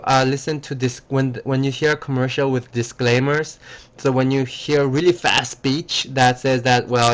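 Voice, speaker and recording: A man giving a recorded lecture, halting and full of fillers and restarts. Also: medium pitch.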